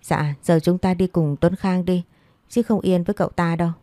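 A gentle young bride answers softly and politely, as a woman reader voices her. The sound is mellow and low, recorded dry and close. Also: fairly even intonation, normal speed, no room sound, close to an everyday voice. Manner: soft, polite replies.

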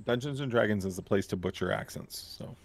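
A man's voice: fairly low pitch, a little fast, gravelly. A man hosting a charity game stream on a headset, upbeat and introducing guests. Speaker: stream host. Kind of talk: casual chat.

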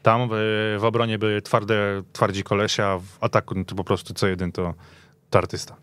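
A man's voice: lowish voice, little pitch movement, fairly quick, fairly bright tone, no echo. A man speaking as a panel guest in a casual sports podcast discussion, telling stories in long runs. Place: radio studio.

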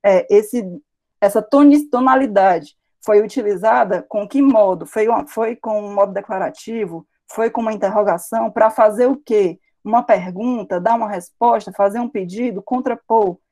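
A woman's voice: mid-range voice, moderate pace, warm tone. A woman with a Brazilian Portuguese accent giving an academic lecture over a video call, explaining step by step and posing rhetorical questions. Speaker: university lecturer.

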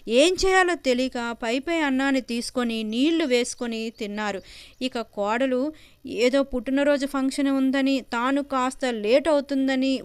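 A woman's voice: high voice, clear, resonant tone, no echo. A woman telling an emotional family story in earnest, scripted narration.

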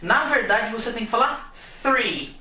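A man's voice: high-pitched, big pitch swings, moderate pace, sharp tone. A man from Brazil teaching English numbers in a casual, jokey video lesson. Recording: echoey room, mic at a distance, faint hiss.

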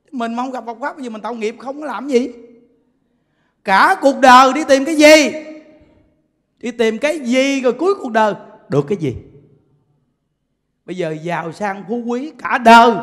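A man preaching a Buddhist sermon, telling animated stories and often laughing. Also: very high-pitched. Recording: long hall reverb.

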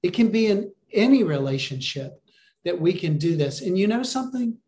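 Pastor, male, fairly high voice, earnest and encouraging, preaching on a webcam. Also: sing-song, moderate pace, darkish tone. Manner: earnest, encouraging, asks the listeners questions. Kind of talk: sermon over a video call. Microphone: video call webcam.

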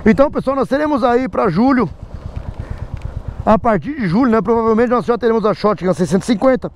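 A man's voice: extremely high pitch, expressive, brisk, a little hiss or hum. A man with a Brazilian Portuguese accent chatting casually to his viewers, recorded outdoors in light rain. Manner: chatty, repeats "né?" and "pessoal". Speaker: motorcycle vlogger. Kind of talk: casual vlog talk to viewers.

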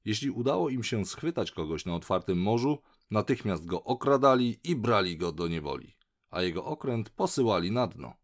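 A man reads a children's adventure aloud in a lowish voice. His telling is animated, with wide swings of pitch. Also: moderate pace. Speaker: audiobook narrator. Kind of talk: expressive audiobook narration.

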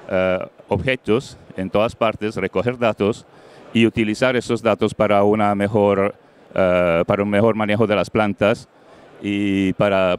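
A middle-aged man from Colombia presenting on a conference stage into a handheld mic, halting often with fillers and slipping into English words. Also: on the low side, smooth. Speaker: panel moderator. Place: large event stage.

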